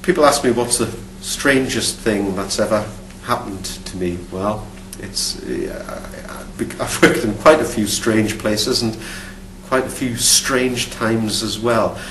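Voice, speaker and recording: Geordie man, low voice, roomy distant sound. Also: slow pace, a bit bright. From Newcastle upon Tyne, England. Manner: thoughtful, many restarts and repeated words. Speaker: archaeology professor. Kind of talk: interview answers to camera. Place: studio with dark backdrop. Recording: roomy, distant mic, faint hum.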